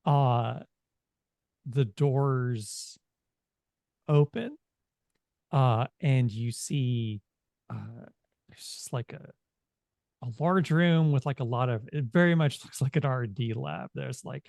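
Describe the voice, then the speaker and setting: A man speaking in a halting, informal way as he narrates a tabletop game as game master. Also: medium pitch, creaky, darkish tone, no room sound, clean studio sound.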